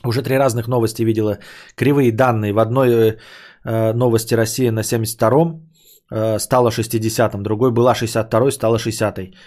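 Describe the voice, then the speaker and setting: A man's voice: on the low side, steady tone, fairly quick, darkish tone. A man hosting a casual solo podcast, rambling and joking, who mangles words on purpose for fun. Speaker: podcast host.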